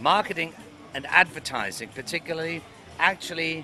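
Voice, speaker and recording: Music plays in the background. A man with a fairly high voice speaks at a moderate pace. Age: 60s. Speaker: marketing executive, search industry veteran. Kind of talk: interview. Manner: halting.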